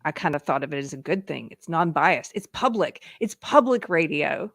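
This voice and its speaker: Brief: woman host, chatty and quick to laugh, fairly low voice, dry close sound. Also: lively intonation, a bit bright, dry recording. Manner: chatty, laughs often, reads aloud haltingly. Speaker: podcast host. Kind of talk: casual live-stream chat, reading articles aloud.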